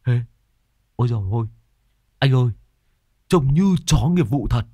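A man voicing a goofy, cheeky young male sidekick who jokes crudely and gets excited. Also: medium pitch, unhurried, no echo, studio quality, pitched above the performer's own voice. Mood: teasing.

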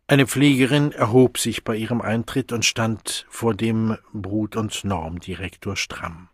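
Rauchiger Hörbuch-Erzähler. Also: male voice, lowish voice, fairly even intonation, no echo, studio quality. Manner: measured, clear reading. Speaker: narrator. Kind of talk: audiobook narration.

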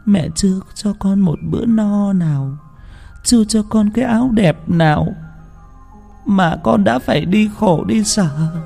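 A man's voice: medium pitch, very animated, moderate pace, long pauses, dark tone, echoey room, big-room sound, faint music behind, lightly acted. A man voicing a grieving young peasant mother who pleads through tears and swears revenge. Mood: sobbing grief. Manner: sobbing, pleading.

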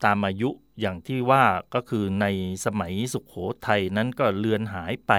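A man's voice: fairly low pitch, moderate pace, clear, resonant tone, dry recording, clean studio sound. A man hosting a casual talk on history and language, explaining with examples in a chatty way. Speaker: radio host.

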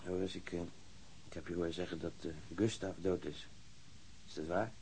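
Low-voiced, subdued wounded policeman. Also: steady tone, creaky, a little mellow, a little hiss or hum. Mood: grieving. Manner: hesitant, halting recollection. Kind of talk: radio drama acting.

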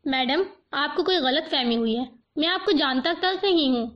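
A woman's voice: high-pitched, expressive, a little hiss or hum. A woman voicing a stern young army officer who speaks with curt, controlled anger, on a dull lo-fi recording. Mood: restrained anger.

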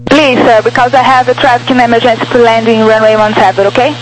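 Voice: mid-range voice, flat delivery, brisk, music in the background. A tower controller with a Brazilian accent giving procedural instructions over a crackly aviation radio. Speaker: air traffic tower controller. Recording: crackly humming radio transmission.

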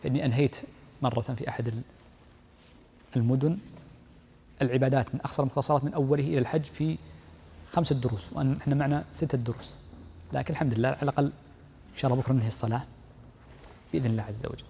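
A man's voice: medium pitch, fairly even intonation, very fast, creaky, pauses often, warm tone, slight background noise. A man teaching a lesson in Islamic law, explaining a text step by step and often repeating his key points. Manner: explains step by step, repeats key phrases, reads the text aloud then comments. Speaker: sheikh teaching Islamic jurisprudence. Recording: long hall reverb.

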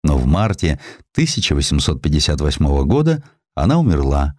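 A man narrating a historical literary audiobook in a measured, expressive, dramatic storytelling manner. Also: rumbling low, no echo, clean studio sound.

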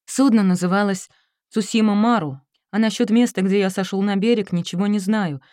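A woman reading a quiet, guarded teenage boy. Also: mid-range voice, fairly even intonation, fairly quick, dry recording, clean studio sound, natural voice. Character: reserved, guarded Japanese youth of seventeen.

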